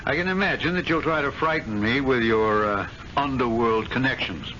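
A man's voice: mid-range voice, normal speed, sharp tone, a little hiss or hum, lightly acted. An actor playing an anxious, weak-willed male trust officer in debt, pleading and flustered in an old radio drama. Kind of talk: 1970s radio drama acting. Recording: lo-fi vintage radio with faint music.

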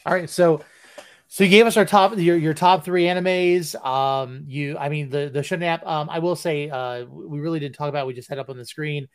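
A man co-hosting a podcast in casual chat, speaking haltingly with many restarts and fillers. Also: fairly high pitch, fairly even intonation, smooth, no echo, studio quality. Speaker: podcast co-host.

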